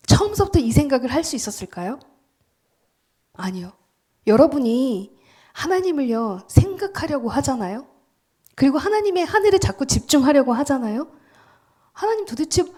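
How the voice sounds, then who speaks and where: A woman pastor delivers a sermon with a warm, mellow voice pitched a little above the usual. She preaches emphatically, often sinks into a whisper, and keeps asking the congregation questions before answering them herself. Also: breathy edge. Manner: emphatic preaching, dropping to whispers for quoted lines.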